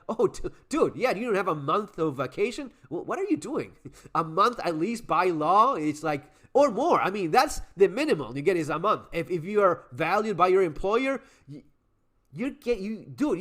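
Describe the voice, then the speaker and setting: A man hosting his channel, reading online comments aloud and reacting with animated, emphatic, casual commentary that includes some swearing. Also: high voice, moderate pace. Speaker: channel host.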